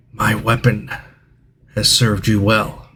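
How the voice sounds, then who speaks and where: A man puts on a raspy character voice at medium pitch, talking at a fairly slow pace. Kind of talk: divine vision dialogue. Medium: actual play. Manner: solemn, paternal.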